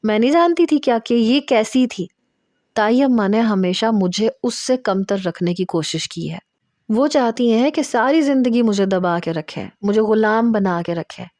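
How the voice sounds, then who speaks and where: Female storyteller, intimate first-person narration, mellow tone. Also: fairly high pitch, no room sound, clean studio sound. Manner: steady, intimate storytelling with emotional emphasis in quoted lines.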